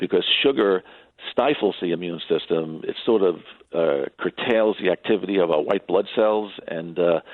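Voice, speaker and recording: A man with a very deep, low pitch and an American accent, moderate pace, ordinary pitch variation. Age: 70s. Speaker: cardiologist. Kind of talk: interview.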